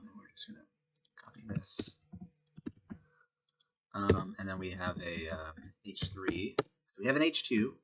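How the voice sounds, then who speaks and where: Congested guy w a cold walking thru code, low voice, kinda sharp tone, keyboard clicking. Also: husky, rough recording. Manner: casual, thinking aloud while typing. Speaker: web designer. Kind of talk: screen-recorded coding tutorial.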